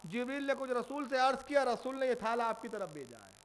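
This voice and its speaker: A man's voice: very high-pitched, sing-song, a little hiss or hum, voice pushed up. A man voicing a devout older male companion of the Prophet who brings a heavenly gift, speaking humbly and reverently.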